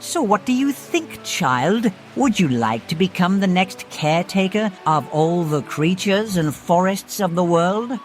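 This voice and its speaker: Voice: medium pitch, lively intonation, a little slow, hardly any pauses, soft background music, natural voice. A storyteller voicing an eccentric woman who lives alone in the forest, speaking in a wry, rambling way.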